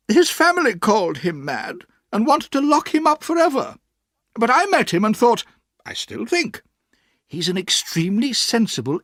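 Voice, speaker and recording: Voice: medium pitch, dry recording, studio quality, voice pushed up, exaggerated voice. A narrator voicing a stern, cross elderly aunt who is kind underneath, speaking sharply and bossily. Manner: sharp and bossy, shouting when angry. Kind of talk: storybook reading.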